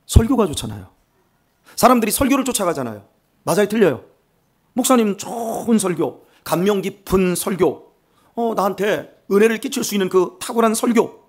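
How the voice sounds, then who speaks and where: An older male pastor with a Chungcheong accent preaching a sermon in church, animated and self-mocking with humor. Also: sits high. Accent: Chungcheong Korean. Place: church sanctuary.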